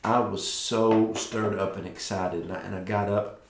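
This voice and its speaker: A man's voice: lowish voice, steady tone, measured pace, slight background noise. A middle-aged man hosting a devotional show of prophetic words, speaking carefully through a sore, stitched mouth after dental surgery. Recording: echoey, roomy sound.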